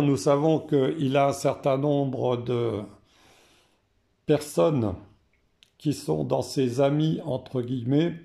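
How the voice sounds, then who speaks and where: Hoarse, slow-spoken French man. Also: medium pitch, mellow. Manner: slow and hesitant, frequent "euh" fillers. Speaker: tarot card reader. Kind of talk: casual explanation to camera.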